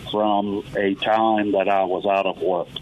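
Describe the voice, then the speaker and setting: A man with a Southern US accent talks very slowly at a fairly low pitch over noticeable background noise. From Louisiana, Gonzales. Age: 60s. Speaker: caller. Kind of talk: call-in question. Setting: phone call.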